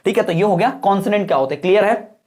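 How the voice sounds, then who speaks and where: A man's voice: high voice, rapid-fire, a little mellow. Chatty man giving an exam-prep lecture. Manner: repetitive explaining with frequent rhetorical checks; folksy, addresses viewers as brother. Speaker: teacher.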